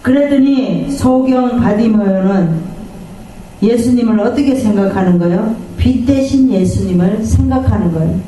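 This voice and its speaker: A woman's voice: on the high side, moderate pace, warm tone, a little hiss or hum. A woman pastor preaching a sermon, drawing amens from the congregation and acting out the voices she quotes. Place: church sanctuary. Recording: echoey church hall from far off.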